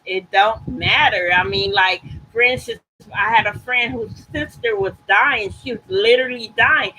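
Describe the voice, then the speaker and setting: A woman hosting a casual podcast, supportive and quick with affirming murmurs. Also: on the high side, pushed and bright, poor audio. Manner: supportive, frequent affirming "mm-hmm"s. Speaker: podcast host.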